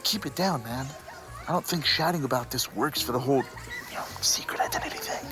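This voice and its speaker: A man's voice: medium pitch, fairly quick, music in the background, natural voice. An actor playing a reluctant, flustered regular-guy husband with hesitant, defensive, slangy talk in an audio fiction podcast. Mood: exasperated.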